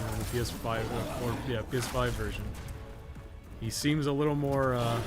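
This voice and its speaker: A man live-streaming a video game with casual, slangy commentary, swearing freely and sometimes muttering to himself as he plays. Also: medium pitch. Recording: music behind the voice. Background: music.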